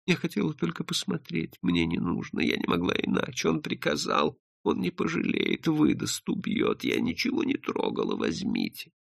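A male reader puts on a frightened young woman spy from an old-style detective audiobook. She speaks high and breathy in a quivering half-whisper, pleading and confessing. The read is close and dry. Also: huge pitch swings, normal speed, few pauses, no room sound, heavily acted. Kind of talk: audiobook character voice.

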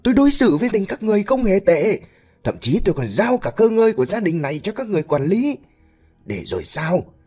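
A man's voice: on the high side, very animated, brisk, voice pushed up. A furious middle-aged husband barks and roars in a sharply raised, wildly swinging voice, as a male storyteller plays him. Bitter and stern, he hammers every question home. Faint music plays behind. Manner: shouting, accusing.

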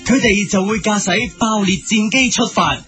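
A man's voice: sits high, moderate pace, music in the background. A man narrating a superhero cartoon parody in a heroic announcer tone. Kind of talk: scripted dramatic narration.

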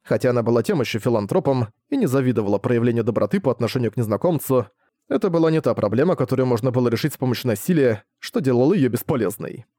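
A man narrating a novel with a mellow, warm tone and a measured, even delivery. He sounds close and dry, with no room around him. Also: medium pitch, no echo. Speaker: audiobook narrator. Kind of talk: reading a novel aloud.

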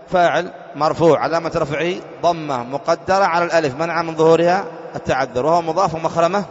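Man, grammar teacher, reads text aloud then explains, rhetorical questions, muffled hall recording. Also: fairly high pitch. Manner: quizzes students with rhetorical questions. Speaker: sheikh teaching Arabic grammar. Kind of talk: classroom grammar lesson.

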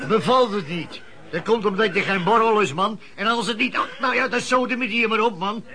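An actor in a Dutch radio play playing a gruff, greedy innkeeper who talks curtly and scornfully. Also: male voice, sits high, a little fast, sharp tone, a faint crowd. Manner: curt, blunt, scornful. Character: gruff, mocking male innkeeper, greedy and hostile. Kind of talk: Dutch radio drama acting.

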